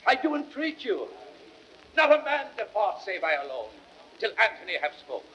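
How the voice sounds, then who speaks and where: An actor playing a proud, earnest Roman statesman, declaiming deliberately in classical Shakespearean radio-drama style. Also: high voice, very animated, sharp tone, slight background noise, heavily acted. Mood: earnest entreaty. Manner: declamatory, deliberate, rhetorical delivery. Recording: dull vintage record sound.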